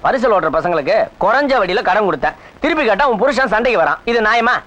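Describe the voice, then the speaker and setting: An actor playing a boastful comic village moneylender and doting brother in a film comedy, talking in a theatrical, bragging way. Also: male voice, high-pitched, lively intonation, fast, fairly bright tone, muffled recording. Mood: complaining. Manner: theatrical, bragging, breaks into off-key song.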